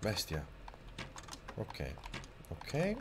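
A man streaming a video game live, talking close to his microphone, yelling and swearing at the game and thanking viewers. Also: lowish voice, huge pitch swings, very slow, background noise. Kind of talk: live gameplay commentary. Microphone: microphone very close to the mouth.

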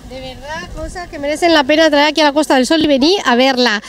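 A middle-aged woman with a high, bright voice rattles off quick, gushing questions into a handheld mic. She is outdoors at a market on a lawn, showering each stallholder with compliments. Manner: effusive, quick, showering praise. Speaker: interviewer at a fashion pop-up market. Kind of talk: enthusiastic on-the-spot interviewing.

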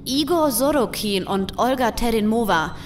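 A woman's voice: on the high side, animated, normal speed, a little hiss or hum, lightly acted. A woman acting in an audio drama as a quirky, self-assured network expert with a cheeky, nonchalant manner.

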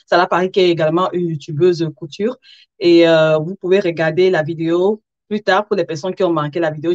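This woman, a sewing content creator hosting a live interview stream, has a slightly mellow voice on the low side with no echo. She seems a little tired as she chats casually, chuckling between phrases and addressing viewers directly, all over dull, lo-fi livestream audio.

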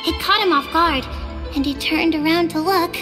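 A woman voicing a cheerful young tribal girl who tells old legends in a lively, chatty way. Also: very high voice, normal speed, big-room sound, over music. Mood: storytelling. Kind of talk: game voice acting.

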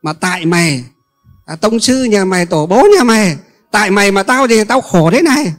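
A man's voice: high voice, expressive, moderate pace, a bit bright, faint music behind. A man mimicking a young wife in labor who scolds and curses her husband during a sermon. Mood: angry.

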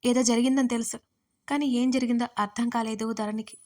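A woman narrating her own written audio story in a steady, even reading voice. Her pitch sits fairly high and stays flat through the telling. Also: a little fast. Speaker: writer and narrator.

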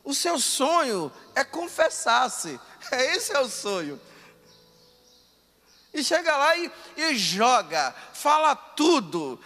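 Lively high-voiced priest preaching. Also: male voice, big-room sound. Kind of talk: sermon.

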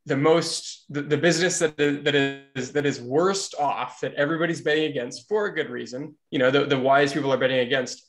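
A man in a casual group discussion on a video call, building his argument with many stammered restarts. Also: fairly high pitch. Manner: stammers with repeated words while building an argument. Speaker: meetup participant.

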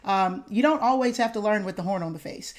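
A woman high school band director explaining her classroom methods in an earnest way, speaking on a video call from a home office. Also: a little fast. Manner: earnest, explanatory, with frequent fillers. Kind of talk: video call panel discussion. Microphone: video call webcam.

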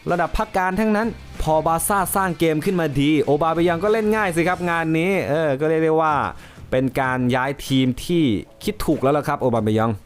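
A man hosting a casual football video, chatty and joking, often exclaiming as he reviews a match. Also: on the high side. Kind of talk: casual football commentary vlog.

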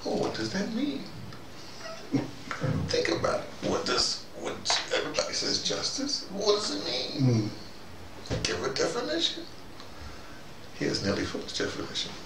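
A man in his fifties giving a rambling spoken talk to a small group, jumping between ideas and leaping up in pitch for emphasis. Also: huge pitch swings, measured pace, pauses often. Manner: digressive, with sudden rising emphasis. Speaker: commentator speaking to a small audience. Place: small room indoors. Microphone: far camera mic. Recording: roomy, distant, noisy.

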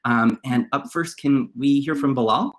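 Male moderator, thirties, medium pitch, presenting to a panel over a video call. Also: normal speed. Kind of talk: reading scripted introductions, moderating a panel.

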